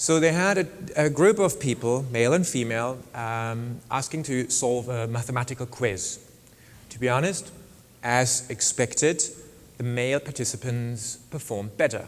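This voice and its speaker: With a German accent, a man talks at a moderate pace and a medium pitch, using ordinary pitch variation. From Germany. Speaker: neuroscientist and foundation science director. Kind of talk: conference talk. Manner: conversational, with fillers.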